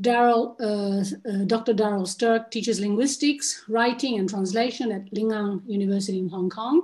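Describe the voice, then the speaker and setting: A woman's fairly high, somewhat breathy voice with ordinary pitch variation and hardly any pauses, over a quiet background. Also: moderate pace. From Sardinia, Italy. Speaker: lecturer and webinar chair; lecturer. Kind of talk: webinar moderation and Q&A. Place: office. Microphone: video call.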